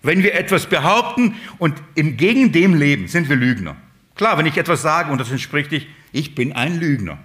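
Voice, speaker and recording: Emphatic German-speaking preacher. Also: male voice, a little high, big pitch swings, normal speed. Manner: emphatic, swings between loud and hushed; addresses the congregation with rhetorical questions. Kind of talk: sermon.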